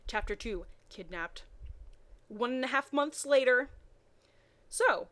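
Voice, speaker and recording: A woman's voice: on the high side, animated, unhurried, a bit bright. A woman reading fanfiction aloud, breaking off into casual, hesitant, wry asides. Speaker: reader mocking bad fanfiction.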